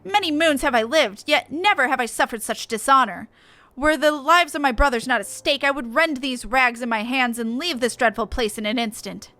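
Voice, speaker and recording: A woman's voice: high-pitched, moderate pace, sharp tone, no echo. A woman voicing a proud, indignant tribal warrior from a fantasy game, declaiming in formal, archaic phrases.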